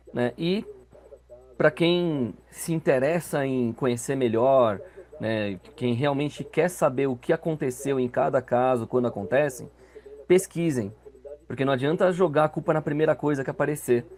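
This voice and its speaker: A man's voice: mid-range voice, darkish tone. Brazilian man chatting as a podcast guest. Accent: Brazilian Portuguese. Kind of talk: casual discussion remarks. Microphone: video call.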